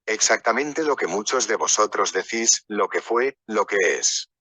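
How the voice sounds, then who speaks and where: A man teaching a workshop in a loose, storytelling manner, wandering from one anecdote to the next. His voice sits low but has a bright, forceful edge. The sound is dry, with no room reverb. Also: lively intonation, unhurried, slightly rough. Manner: rambling, anecdotal, conversational. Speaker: workshop speaker. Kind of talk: storytelling lecture.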